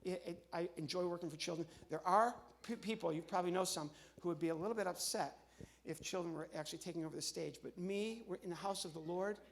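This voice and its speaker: A middle-aged American man from the Midwest doing live comedy patter on stage, chatty and halting, often interrupting himself. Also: sits high, vocal fry. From Midwestern United States. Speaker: comedian and entertainer. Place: on stage in a large church hall.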